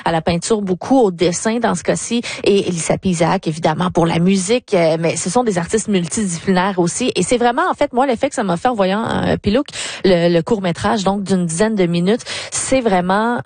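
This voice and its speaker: A woman reporter with an Italian accent walks listeners through an arts story for the radio. Her voice is dry and close to the mic, and she speaks in an even, middle register. Her manner is reflective and explanatory. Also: medium pitch, brisk, no echo.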